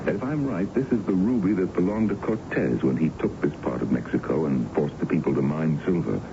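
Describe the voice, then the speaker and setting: An actor playing a smooth, confident businessman in a radio drama, speaking in a suave, assured, explanatory way. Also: a bass voice, animated, a little fast, music in the background, exaggerated voice. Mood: assured, dismissive. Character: smooth, confident businessman charming a young woman. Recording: dull, noisy vintage radio broadcast.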